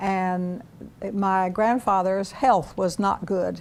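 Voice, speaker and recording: In an American accent, a woman talks at a medium pitch with a monotone, flat intonation. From US South. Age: 80s+. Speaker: oral history interviewee. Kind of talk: oral history interview.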